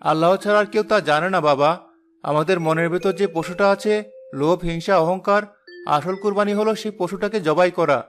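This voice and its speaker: A modest, faithful father in an animated village tale, played by a man, explaining his beliefs with steady earnestness. He talks fast, in a fairly high voice. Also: faint music behind, close to an everyday voice. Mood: gentle. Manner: earnest, gently preaching. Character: poor, devout village father, humble and calm.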